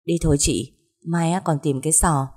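A nervous young woman who hurries the others along, voiced by the woman narrating. Her voice stays low and mellow, close to the narrator's own, with urgent, hurried phrasing. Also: fairly even intonation, husky. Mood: anxious. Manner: hurried, urging. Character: young woman, anxious and urging.

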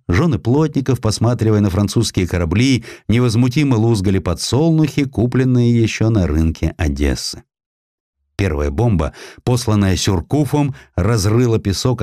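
A male audiobook narrator with a fairly deep voice tells historical prose. His delivery is expressive and highly varied in melody, shaped like dramatic storytelling. The sound is dry, with almost no room around it. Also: dry recording.

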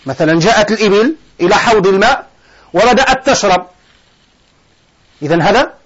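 High-voiced man teaching a grammar lesson. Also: lively intonation, a little fast, muffled recording. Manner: questions the students and answers himself. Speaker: sheikh teaching Arabic morphology. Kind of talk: classroom lesson explaining a grammar poem.

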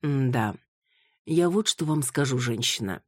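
A woman's voice: extremely low pitch, lively intonation, no room sound, clean studio sound, heavily acted. A woman doing a cold, mocking guide. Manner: slow, syllable-by-syllable, condescending.

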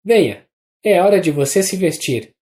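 The narrator voicing an adult noblewoman mother, soft and choked with tears, with a Brazilian Portuguese accent. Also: mid-range voice, animated, normal speed, pitched above the performer's own voice, close to an everyday voice. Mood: tender.

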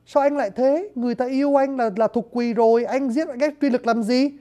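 A narrator voicing a lovelorn young woman who wails and laments in a high, sobbing voice. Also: fairly even intonation, brisk, mellow, natural voice. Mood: choked. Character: young lovelorn woman, tearful and self-pitying.

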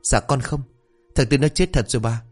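A man's voice: medium pitch, normal speed, soft background music, pitched above the performer's own voice, lightly acted. A man voicing a flustered young male servant who talks in a raised, anxious voice.

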